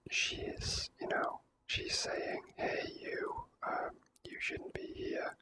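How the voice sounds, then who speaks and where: A gaming host whispers through casual ASMR commentary on a playthrough. The delivery is unhurried and drawn out, with almost no voiced tone.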